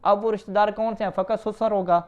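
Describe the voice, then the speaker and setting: High-voiced male grammar teacher. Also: level tone, clean tone. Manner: asks students questions and answers them himself; reads Arabic quickly, then explains in Urdu. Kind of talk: classroom lesson reading and explaining an Arabic text. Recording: dull, lo-fi recording.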